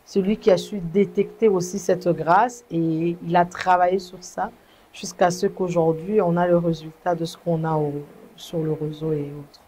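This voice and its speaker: Low, mellow-voiced woman giving testimony. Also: fairly even intonation, a little hiss or hum. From Congo (DRC). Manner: measured, earnest, hesitant restarts. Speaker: guest, gospel singer. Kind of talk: testimony interview.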